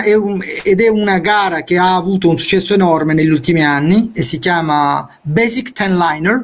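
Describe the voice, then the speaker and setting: Ordinary pitch variation in a man's high voice. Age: 40s. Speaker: software developer; guest. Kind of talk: casual chat. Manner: halting. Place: home room. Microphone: webcam.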